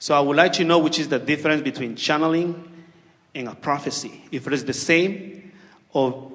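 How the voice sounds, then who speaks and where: A man talks in a fairly high voice with a Spanish accent. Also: fairly even intonation, moderate pace. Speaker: audience member at a seminar. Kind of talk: question from the audience. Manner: halting, many fillers.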